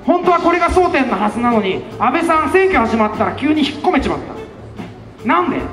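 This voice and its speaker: High-pitched man giving a fiery street speech. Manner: fiery, rhetorical, with repeated questions and bursts of shouting. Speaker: election campaign speaker. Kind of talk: impassioned street campaign speech. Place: outdoors in front of a busy station. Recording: echoey outdoor PA sound with faint music.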